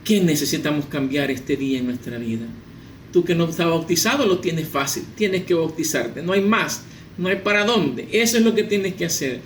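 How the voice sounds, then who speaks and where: A man preaching a sermon with an animated manner, telling a humorous story and voicing its characters. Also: on the high side, moderate pace. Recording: echoey room with faint noise.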